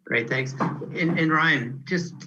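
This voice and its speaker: A man's voice: on the high side, takes it slowly, sharp tone, dull audio. A man moderating a business question-and-answer session, politely relaying questions from the audience over a conference call.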